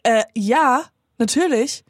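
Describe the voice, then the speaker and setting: A woman's voice: fairly high pitch, slow, no room sound, clean studio sound. A woman hosting a casual interview chat, talking in a jokey, irreverent way and swearing freely.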